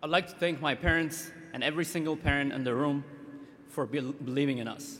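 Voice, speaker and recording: The man's pitch is fairly high and his intonation fairly even. He talks at a fairly quick pace. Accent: Ethiopian. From Ethiopia. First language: Amharic. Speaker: graduate student. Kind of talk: commencement speech. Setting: stage with audience.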